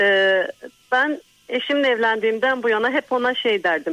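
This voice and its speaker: With an ordinary speaking voice, a woman talks at a moderate pace, her fairly high pitch moving with lively intonation. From Artvin, Turkey. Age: under 51. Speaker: caller, wife of a prisoner. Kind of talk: emotional phone call to radio show.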